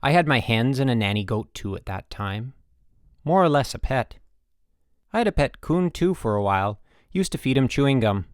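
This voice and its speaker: A man's voice: medium pitch, lively intonation, moderate pace, clean tone, dry recording, studio quality, natural voice. A man voicing a proud, stubborn old country woman who rambles folksily in audiobook dialogue. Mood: resigned, stubborn. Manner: folksy, rambling, emphatic storytelling.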